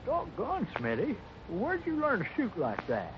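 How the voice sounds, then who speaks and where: Casting: easily astonished cowboy, very high, hugely animated voice, folksy, dull old radio drama. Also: male voice, measured pace, heavily acted. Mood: amazed. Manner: exclamatory, folksy. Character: excitable, astonished cowboy ranch hand. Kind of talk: 1950s radio drama acting. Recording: dull, faintly noisy 1950s radio recording.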